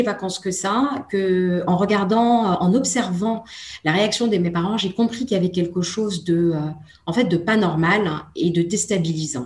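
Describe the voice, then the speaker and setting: A woman's somewhat breathy voice, lively in intonation, at a moderate pace. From Lebanon, moved to France at 11. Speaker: life coach. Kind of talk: interview testimony. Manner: halting.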